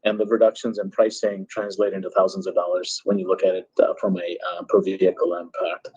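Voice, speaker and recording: A man's voice: sits low, completely flat delivery, a little fast, darkish tone, slightly rough. A man speaking as a company executive, giving an unscripted answer on an earnings call with muffled audio. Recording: muffled, band-limited conference call audio.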